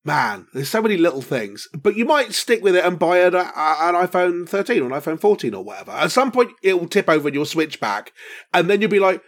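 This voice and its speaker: A man with a high, lively voice that swings widely in pitch. He co-hosts a casual tech podcast, joking wryly and laughing often. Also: fairly quick. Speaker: podcast co-host.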